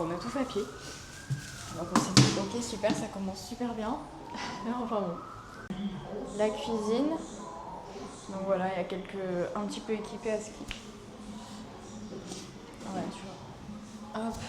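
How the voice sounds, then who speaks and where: A woman's voice: on the high side, background noise. Young woman with a cold vlogging. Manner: chatty, addressing viewers directly, frequent fillers. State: has a cold. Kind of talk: casual travel vlog. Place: outdoors by a city seafront, then indoors in an apartment.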